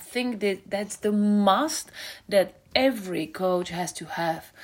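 Delivered at a fairly slow pace in a Czech accent, the speech has lively intonation on a very clean recording with a silent background. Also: woman. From Czech Republic. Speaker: youth basketball coach. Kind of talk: recorded monologue.

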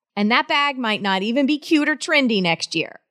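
In a dry, close recording with no echo and a quiet background, a woman speaks in a high, animated voice with very wide pitch swings. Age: 40s. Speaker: podcast host and life coach. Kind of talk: solo podcast monologue.

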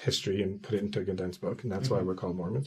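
Against a quiet background, a man with a Quebec accent talks with ordinary pitch variation. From Canada, Quebec City (francophone area). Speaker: church convert sharing his story. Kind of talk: testimony.

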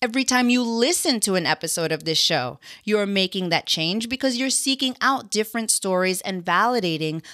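A woman speaks in a plain, everyday voice. The sound is dry and close, with no echo. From New York, Puerto Rican heritage. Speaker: podcast host. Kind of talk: scripted narration.

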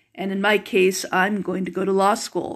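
A woman talks at a fairly quick pace. Her pitch is medium. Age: 60s. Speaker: podcast host. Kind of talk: unscripted solo monologue. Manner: rambling.

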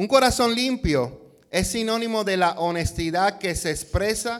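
A man talks fairly slowly, his pitch swinging very widely. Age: 40s. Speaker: pastor. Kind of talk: sermon.

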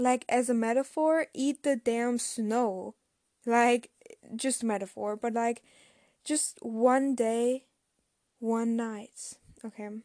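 Very slowly, a woman with a non-native accent speaks in a dark, mellow tone, the sound dry and close with no echo and the background quiet. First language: not English. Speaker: podcast host. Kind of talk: casual self-help monologue. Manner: animated.

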